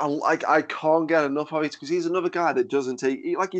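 A man speaks with a Potteries accent at a fairly high pitch. His pitch varies in an ordinary way against a quiet background. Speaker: wrestling podcast host and wrestling manager. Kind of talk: casual chat. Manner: casual, laughs often.

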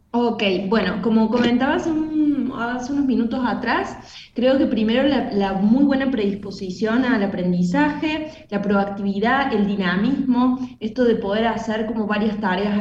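A woman with a fairly high pitch and ordinary pitch variation talks at a moderate pace, with audible room echo and noticeable background noise. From Argentina, Córdoba. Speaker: human resources specialist. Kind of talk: interview.

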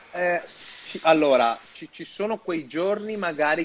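A man talks at a fairly slow pace in a dry, close recording with no echo. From Friuli, Italy. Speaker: nutritionist. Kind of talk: casual chat.

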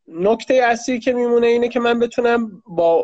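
A man talks at a moderate pace. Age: 30s. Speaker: fintech co-founder. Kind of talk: live-stream interview. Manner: halting.

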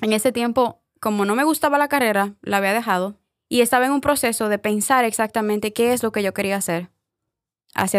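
A woman's fairly high, fairly quick voice with ordinary pitch variation, an ordinary speaking voice, in a very clean recording with a silent background and a dry, close sound with no echo. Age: 20s. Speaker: podcast co-host, call center employee. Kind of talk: casual chat.

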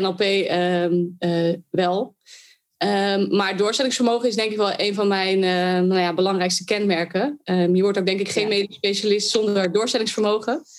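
Fairly even intonation marks an unremarkable speaking voice that keeps a moderate pace. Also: woman. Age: 30s. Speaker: pulmonologist and coach. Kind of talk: interview.

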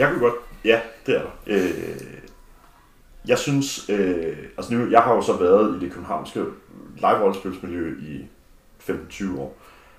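In a room with audible echo, a man speaks fairly slowly and fairly low, with lively intonation, long and frequent pauses, and big swings in loudness. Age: 30s. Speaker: role-playing summer school co-director. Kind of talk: casual interview. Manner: hesitant, many fillers.

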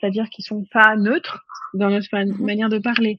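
Her voice is somewhat breathy. This woman speaks at a fairly high pitch. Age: 30s. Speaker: fashion stylist. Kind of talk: casual interview chat.

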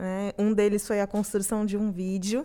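A woman talks at a moderate pace in a normal speaking voice, fairly high in pitch. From São Paulo East Zone, Brazil. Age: 30s. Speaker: corporate trainee, economist. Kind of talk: casual interview chat.

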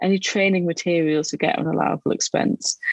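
The sound is dry and close, with no echo. A woman talks at a fairly quick pace. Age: 30s. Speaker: accountant for pet businesses. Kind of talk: casual chat.

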